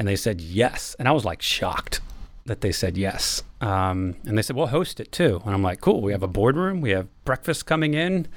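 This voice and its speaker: A man with an American accent speaks at a moderate pace in an ordinary speaking voice, his pitch medium. The recording is very clean, with a silent background. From Baltimore, US. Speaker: tech entrepreneur and startup CEO. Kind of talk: casual interview.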